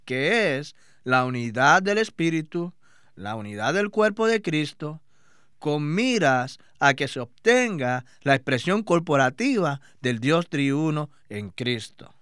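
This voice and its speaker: Smooth-voiced man reading religious text. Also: a little high, slow pace, no echo, studio quality. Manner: steady formal delivery.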